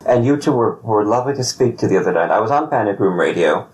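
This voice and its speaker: A man hosting a podcast interview in a conversational style, with measured, deliberate phrasing. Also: lowish voice, expressive, darkish tone, slight background noise. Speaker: podcast host.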